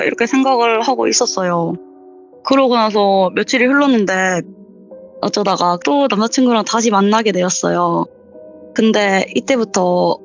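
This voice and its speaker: A young woman in a casual interview, chattily telling a true horror story and acting out the quoted lines with sudden rises in pitch. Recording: dull lo-fi sound with faint background music.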